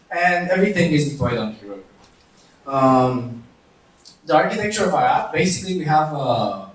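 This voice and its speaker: A man from Romania presenting the tech side of an app, halting with frequent fillers. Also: a little high. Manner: halting, lots of uh and um. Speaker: bootcamp student presenter. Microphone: distant from the mic. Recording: echoey hall audio from far off.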